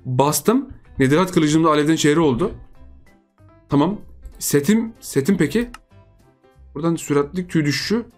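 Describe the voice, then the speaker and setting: An excitable man talks his way through his own gameplay, his voice sitting a little high. He often repeats words in quick bursts as he plays. Soft music runs behind him. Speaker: gaming YouTuber. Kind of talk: casual gameplay commentary.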